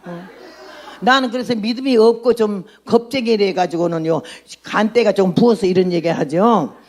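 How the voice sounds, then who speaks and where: Speaking at a moderate pace in a medium-pitched, slightly mellow voice, a woman in her nineties who is a missionary preacher shares an outspoken, blunt sermon and testimony. Her own comments frequently make her laugh, and she keeps putting questions to the congregation.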